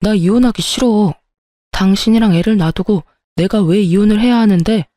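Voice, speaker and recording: A woman's voice: mid-range voice, normal speed, mellow, no room sound, natural voice. Brief: woman voicing a self-justifying cheating husband, begging, dry close voice. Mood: pleading. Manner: pleading, defensive.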